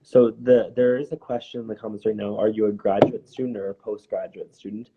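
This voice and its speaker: A man's voice: fairly low pitch, fairly even intonation, fairly quick. A man hosting a conversational live question-and-answer interview, encouraging and often rephrasing his questions. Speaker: host interviewer. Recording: dull lo-fi, faint noise.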